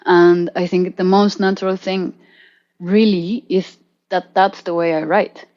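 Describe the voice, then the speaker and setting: A woman's voice: lowish voice, steady tone, measured pace, a little mellow, highs cut off. A woman from Colombia, a musician and native Spanish speaker, chatting casually in an interview and laughing easily. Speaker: musician guest.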